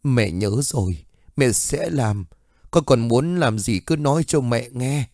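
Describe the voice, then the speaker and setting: A man's voice: medium pitch, lively intonation, slow, dark tone, no room sound, studio quality. A man narrating a story and voicing an old mother who is emotional and fervent. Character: old mother, tearful and eager.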